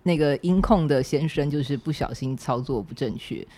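A woman with a Taiwanese Mandarin accent hosting a podcast, explaining things in an animated, conversational way. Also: rumbling low, moderate pace. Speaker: podcast host. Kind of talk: casual explanatory podcast chat.

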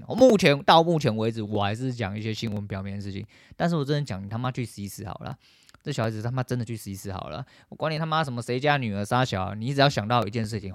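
A man with a Taiwanese Mandarin accent hosts a solo podcast, ranting angrily and swearing often. He talks quickly at a mid pitch. His voice sounds dry and close to the mic. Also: dry recording. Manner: angry, profane ranting. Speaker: podcast host.

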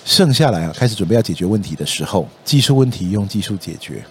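A man with a Taiwanese Mandarin accent hosting a podcast, talking things through in a casual, lively way, filling his sentences with little fillers. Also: lowish voice, fast talker, a little hiss or hum. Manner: lively storytelling, acts out quoted voices, many "哦" and "然后呢" fillers. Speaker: podcast host. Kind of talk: casual explanatory podcast talk.

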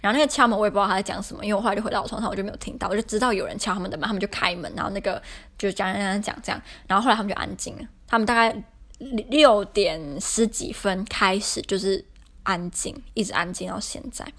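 A young adult podcaster speaks fast in a medium-pitched, slightly bright voice, casually retelling a story. She sounds exasperated and rambles, piling on fillers.

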